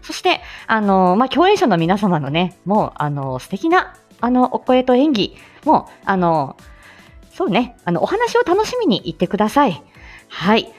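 A woman hosts a relaxed live stream. She talks casually, laughs often, and fills gaps with many fillers. Her pitch swings in a lively way, and faint music sits underneath. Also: moderate pace. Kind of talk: casual chat.

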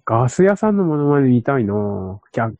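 A man's voice: mid-range voice, sing-song, fast talker, darkish tone, no room sound. A man who is a guest on a casual podcast chat, teasing the host and laughing often.

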